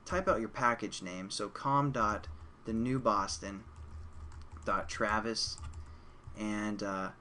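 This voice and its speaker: A man's voice: fairly low pitch, slow, pauses often, slight background noise. Casual man talking through a coding tutorial. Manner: relaxed, chatty, addresses viewers as you guys. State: losing his voice. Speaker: programming tutorial host.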